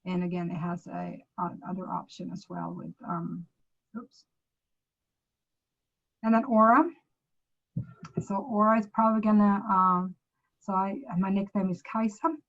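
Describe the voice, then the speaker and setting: Swedish-accented woman, casual presenter, mid-pitched, dull call audio. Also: fairly even intonation, unhurried, gravelly, long pauses. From Sweden. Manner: chatty, loose, frequent self-corrections. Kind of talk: casual screen-share app demo.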